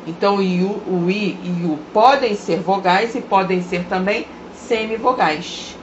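Woman teaching grammar. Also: medium pitch. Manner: slow, drawn-out pronunciation of example words. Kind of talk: explanatory grammar lesson. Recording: roomy, dull lo-fi recording with faint hiss.

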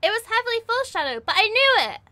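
A woman streaming a video game, excitable, often yelping and laughing as she comments on her play. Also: very high-pitched, very fast. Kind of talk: live gaming commentary.

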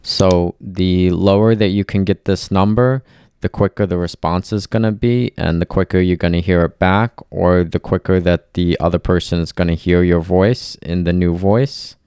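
Male tutorial presenter, deep register, clean resonant tone, methodical step-by-step delivery, dry close recording. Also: fairly even intonation, normal speed, darkish tone, no echo. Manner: clear, methodical instructing. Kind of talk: step-by-step software tutorial voice-over.

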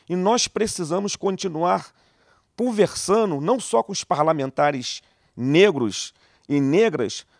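An older man with a somewhat high voice talks into a handheld microphone in an interview. He is measured and assertive, and the sound is dry and close. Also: no room sound. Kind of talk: interview answer. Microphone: handheld interviewer mic.

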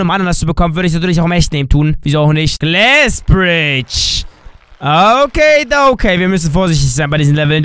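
Young male gaming YouTuber, high, smooth voice, dry from a cold, jokey let's-play commentary. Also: no echo. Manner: excitable, jokey, switches between shouts and drawn-out slow words.

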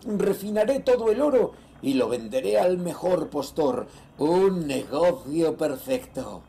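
A ruthless nineteenth-century sea merchant acted by a man dictates his journal in an audio horror drama. The voice is fairly high for a male and soft-edged, with a gravelly creak. The delivery is solemn, measured and theatrical, greed running underneath. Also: sing-song, full character voice. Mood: smug, greedy. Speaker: voice actor in an audio horror series.

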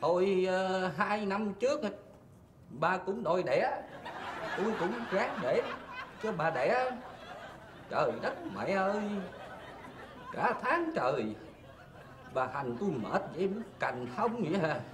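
An older man plays a penny-pinching husband in a stage comedy sketch, his high, lively, exaggerated voice swooping around. He drawls slowly in a teasing mood, grumbling about the cost of everything. The sound is roomy with faint noise behind.

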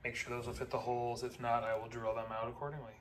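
A man's voice: mid-range voice, little pitch movement, fast, a little hiss or hum. A middle-aged man talking through his car build in a garage, plainly and methodically, with lots of "uh" and "um". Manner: plain, methodical, many "uh" and "um" fillers. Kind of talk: casual build-update narration. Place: garage workshop.

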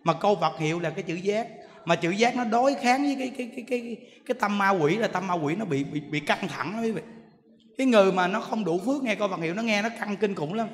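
A male monk giving a lively sermon, telling stories with laughter and mimicking voices. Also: high-pitched, fast talker. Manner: animated storytelling, laughing, mimicking others. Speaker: monk giving a dharma talk. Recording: long hall reverb, faint background noise.

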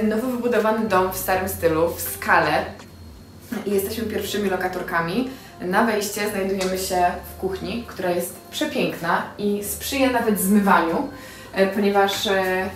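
Young female vlogger, mid-pitched, effusive and casual, guiding a tour over light music. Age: young adult. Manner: enthusiastic, effusive. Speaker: vlogger giving a house tour. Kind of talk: casual spoken house tour to camera. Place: small stone house and outdoor terrace.

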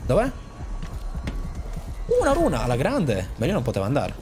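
Un uomo che commenta una partita a un videogioco con tono scherzoso e agitato, parlando ai personaggi del gioco. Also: male voice, mid-range voice, normal speed, noisy background. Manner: animated, jokey, talks to the game characters. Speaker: gaming YouTuber. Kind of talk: excited gameplay commentary.

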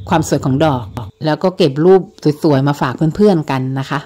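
Low-voiced woman chatting about roses. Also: a little fast. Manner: chatty, polite, ends phrases with soft particles. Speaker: gardening channel host. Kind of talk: informal narrated rose guide.

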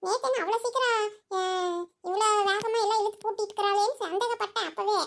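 A woman's voice: extremely high pitch, steady tone, fast talker, gravelly, a bit bright, exaggerated voice. A woman voicing a nosy, insistent village gossip in a cartoon, talking breathlessly with chuckling asides. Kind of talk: cartoon voice acting.

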